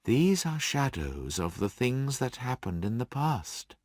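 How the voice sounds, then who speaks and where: A man voicing a calm, stern ghost who questions quietly. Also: mid-range voice, unhurried, no room sound, studio quality, voice pushed up.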